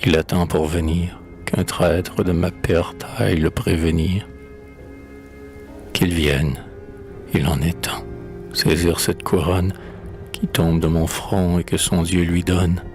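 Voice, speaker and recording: A man's voice: sits low, little pitch movement, slow, darkish tone, soft background music. A man reading a dramatic poem, voicing a proud, despairing old king in a grave, declamatory recitation. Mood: wrathful. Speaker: poetry reader.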